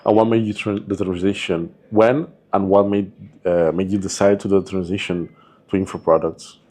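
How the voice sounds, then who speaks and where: A man's voice: deep voice, steady tone, moderate pace, warm tone. A man hosting a podcast interview, asking short questions and giving brief replies. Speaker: podcast host.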